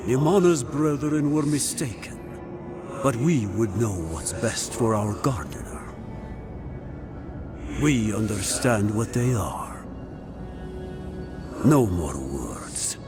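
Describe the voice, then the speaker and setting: A haughty ancient guardian spirit in a fantasy game. He declaims slowly and imperiously, his pitch moving widely, over clear music. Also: big pitch swings. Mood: stern, imperious.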